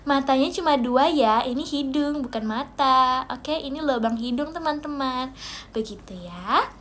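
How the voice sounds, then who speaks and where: High-voiced playful young woman, livestream chat. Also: a little slow, fairly bright tone, a little hiss or hum. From Indonesia. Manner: chatty, playful, mixes in English phrases, reads out viewer gifts. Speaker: idol livestream host.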